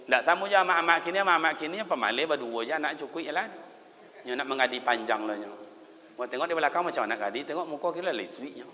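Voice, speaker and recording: A man with a Minangkabau Malay accent preaching a sermon, telling folksy stories and moving between loud exhortation and hushed tones. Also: on the high side, lively intonation, fast, a little hiss or hum. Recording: dull sound, long hall reverb.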